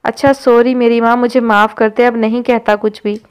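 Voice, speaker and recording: A woman's voice: fairly high pitch, little pitch movement, clean tone, close to an everyday voice. A woman reading the lines of an exasperated young man in an audio novel.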